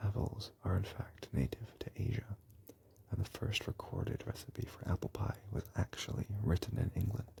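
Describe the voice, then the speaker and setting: The voice is whispering. It moves at a moderate pace. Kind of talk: ASMR whisper video, random facts talk to camera. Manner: soft-spoken.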